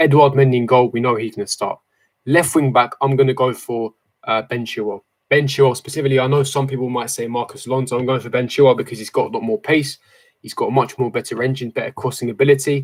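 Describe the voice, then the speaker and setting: A man with a London accent talks at a very fast pace. His medium pitch carries fairly even intonation. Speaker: football YouTuber. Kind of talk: live stream chat. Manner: casual, with fillers.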